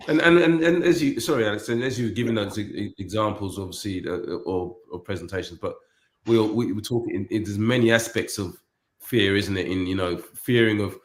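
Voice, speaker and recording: A man's voice: lowish voice, brisk. A man hosting a casual chat, rambling with many restarts and repeated words. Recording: roomy echo.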